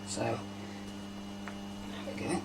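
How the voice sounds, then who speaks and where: A woman calmly explaining step by step as she unpacks and tests old equipment at home. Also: slow, rough recording. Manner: calm step-by-step explaining while handling equipment. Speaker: hobbyist vlogger. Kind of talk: casual demonstration narration. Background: faint machine hum.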